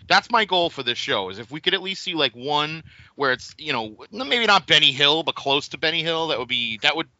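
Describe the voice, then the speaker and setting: A man co-hosting a podcast, jokey and quick with asides, in casual chat. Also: on the high side, lively intonation, pushed and bright, no room sound, muffled recording. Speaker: podcast co-host. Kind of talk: casual chat about wrestling.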